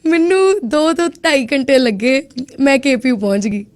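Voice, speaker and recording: A young woman from India, a student guest on a radio show, telling her story in a lively way and acting out what people said. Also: high voice, normal speed. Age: young adult. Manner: lively storyteller who acts out quoted speech. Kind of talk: casual storytelling interview.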